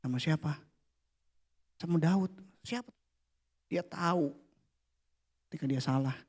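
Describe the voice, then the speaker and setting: A man, preaching a casual, playful youth sermon that drops to a hush for the prayers. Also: fairly high pitch, measured pace. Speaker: youth pastor. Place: church hall.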